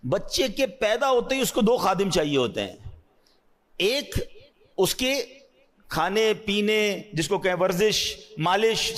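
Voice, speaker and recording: Impassioned high-voiced Pakistani preacher. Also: male voice, fairly bright tone. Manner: rhetorical questions to the audience, rising to emotional peaks. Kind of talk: sermon.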